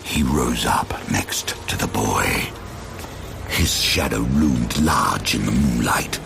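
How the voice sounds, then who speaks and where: A man narrating a gothic horror drama in an ominous, deliberate, theatrical storytelling manner. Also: a bass voice, expressive, gravelly. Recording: loud cinematic music bed. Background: loud dramatic music.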